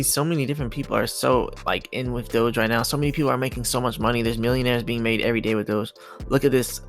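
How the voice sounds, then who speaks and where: Gravelly-voiced man hyping over music. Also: medium pitch, a bit bright. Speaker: crypto video host. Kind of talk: casual commentary over charts.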